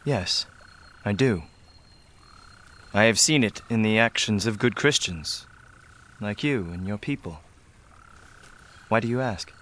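A man's voice: fairly low pitch, lively intonation, slow, pauses often, a bit bright. An actor playing a humble, courteous Native American man in a radio drama, speaking in a thoughtful, formal, deferential way. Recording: faint music behind. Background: faint music.

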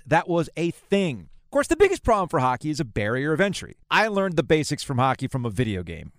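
A man's voice: medium pitch, no echo, studio quality. A man hosting a sports podcast, narrating a scripted story about local sports.

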